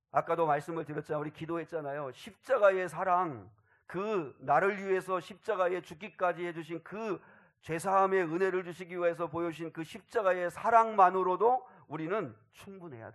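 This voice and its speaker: A male pastor preaching a sermon, rising loud on key phrases and dropping to a hush, acting out quoted speech. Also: on the high side. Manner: acts out quoted voices in dialogue.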